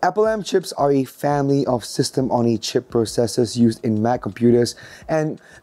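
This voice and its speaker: In a dark, mellow tone, a man talks at a fairly quick pace. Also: ordinary pitch variation. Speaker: tech reviewer. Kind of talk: tech review commentary. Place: home room.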